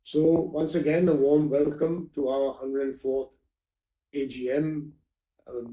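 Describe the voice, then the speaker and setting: A man reading a formal prepared address to a shareholder meeting as company chairperson, in a measured manner. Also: mid-range voice, mellow. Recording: dull, roomy video-conference audio.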